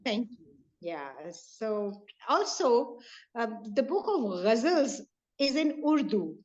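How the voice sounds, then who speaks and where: Indian lady poet chatting on a video call, kinda high voice, muffled lo-fi sound. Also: very animated, takes it slowly, darkish tone. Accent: Indian English. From north India. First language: Punjabi. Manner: chatty, many fillers, light laughs. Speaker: poet guest. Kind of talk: casual video-call chat. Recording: dull lo-fi call audio.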